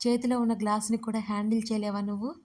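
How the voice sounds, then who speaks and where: A woman narrator voicing a sharp-tongued, hot-tempered young woman in an audio story. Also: mid-range voice, level tone, quick pace, natural voice. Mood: angry.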